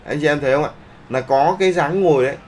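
A man's voice: fairly high pitch, fast talker, darkish tone, a little hiss or hum. A man teaching a live online class, often checking that the students follow along. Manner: keeps checking in with the class, polite particles. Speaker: online art instructor.

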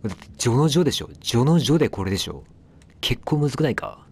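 A man's voice: medium pitch, big pitch swings, rapid-fire, darkish tone, husky. A man giving casual let's play commentary, chatting to the game and its characters as he plays. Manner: chatty, talks back at the game, apologizes for noise.

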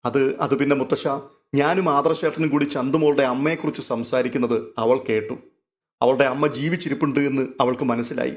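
A man's voice: mid-range voice, fairly even intonation, brisk, lightly acted. A man voicing a caring young woman who pleads earnestly and persuasively, as in a storybook read aloud. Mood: pleading.

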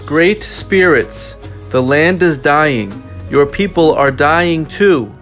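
A man voicing tribal dancers beseeching the spirits in a storybook, with drawn-out, imploring, chant-like delivery. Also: a little high, lively intonation, fairly bright tone. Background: music.

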